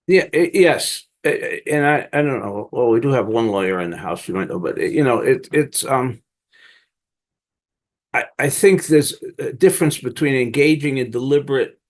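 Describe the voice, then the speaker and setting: Older man giving a halting dharma talk. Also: mid-range voice. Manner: halting, searching, many restarts. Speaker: Zen teacher leading discussion. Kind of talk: dharma talk and group discussion.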